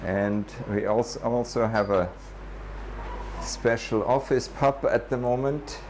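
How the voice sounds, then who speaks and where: Speaking slowly at a medium pitch, a man shows visitors around an animal rescue center on a walking tour. His explanations come out hesitantly, full of filler words. Barking dogs fill the noisy outdoor recording.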